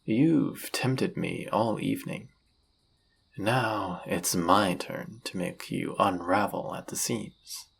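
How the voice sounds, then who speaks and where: Low, slow, husky demon seducer, male actor, smug and dangerous, teasing murmurs for romantic audio drama. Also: heavily acted. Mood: seductive. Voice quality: husky, gravelly. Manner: smooth-talking, teasing, theatrical, often breathy and murmured. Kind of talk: flirty audio roleplay acting.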